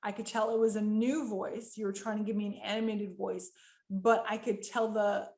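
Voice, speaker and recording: A woman coaches voice actors in an online workshop, speaking at an ordinary mid-range pitch for a woman. She talks in fast, animated bursts, often stops to rephrase, and keeps checking in with the people listening. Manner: animated, quick bursts with frequent fillers; addresses the audience directly and often. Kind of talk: virtual workshop teaching.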